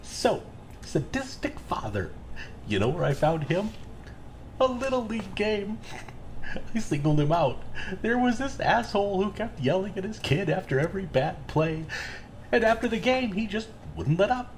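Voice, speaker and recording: A man's voice: high-pitched, big pitch swings, moderate pace. Guy acting as a rambly serial killer, casually threatening, voice all over the place, noise behind it. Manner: rambling, casually menacing, demanding answers. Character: chatty, volatile serial killer boasting to a captive. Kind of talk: audio drama acting.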